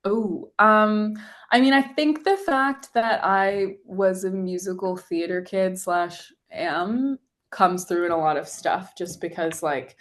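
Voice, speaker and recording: A woman's voice: medium pitch, takes it slowly. A young adult woman, a singer-songwriter guest, chatting casually in an interview and using lots of "like" fillers. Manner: chatty, heavy use of "like" fillers.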